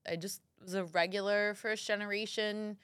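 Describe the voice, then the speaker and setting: A woman, telling stories in an animated, joking way as a studio guest. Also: mid-range voice, moderate pace, dry recording. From Brooklyn, New York. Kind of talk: casual interview chat.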